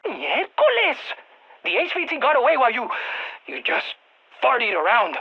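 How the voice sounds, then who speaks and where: A nerdy, theatrical game scientist with a Latino Spanish accent, talking over a radio. His voice is high for a man and husky, and its pitch swings widely as he briefs a strike team with big, wordy flourishes. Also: wildly swooping pitch, moderate pace, muffled recording, heavily acted. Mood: exasperated. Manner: theatrical, wordy, swinging between glee and exasperation. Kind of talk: video game voice lines.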